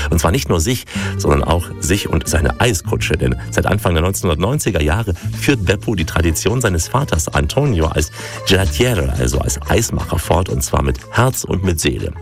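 A man hosting a talk show from a studio, presenting and chatting in a friendly, teasing way. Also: deep voice. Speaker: host. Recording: music bed behind.

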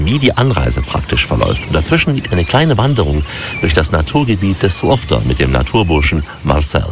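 A male radio travel host with a low voice, measured and smooth in his delivery. Music plays clearly under the broadcast. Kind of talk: radio interview and scripted narration.

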